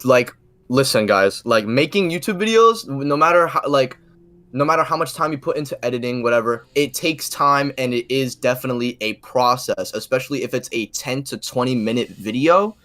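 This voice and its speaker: A man chatting casually as a podcast co-host, halting and slangy, with frequent filler words as he makes his point. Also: mid-range voice, a bit bright. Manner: halting, slangy, heavy use of "like". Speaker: podcast co-host, video creator. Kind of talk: casual opinion chat.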